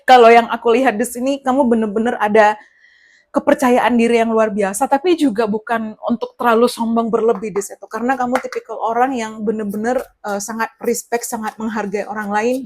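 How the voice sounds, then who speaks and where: A woman's voice: a little high, fairly even intonation, a little fast, darkish tone. Chatty woman giving a tarot reading. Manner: chatty and rambling, addresses the listener as "you". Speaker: tarot reader. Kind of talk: casual tarot reading to the viewer.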